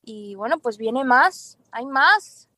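Lively woman singer, a bit higher voice. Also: takes it slowly, no room sound. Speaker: singer guest. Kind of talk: casual interview chat.

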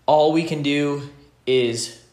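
A man's voice: a little high, takes it slowly, a little mellow. A man giving earnest, informal motivational advice to peers, emphatic and repeating his key phrases. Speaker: gym owner and fitness business host. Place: home gym outside, under a roof in a rainstorm. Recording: echoey room, rain noise on roof. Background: rain on the roof, storm.

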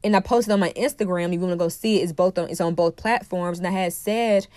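A woman's voice: lowish voice, quick pace, darkish tone, no echo, studio quality. A woman hosting her own podcast, lecturing emphatically and repeating her key phrases, sounding congested from a cold. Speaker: podcast host and dating coach. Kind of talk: opinionated solo podcast monologue.

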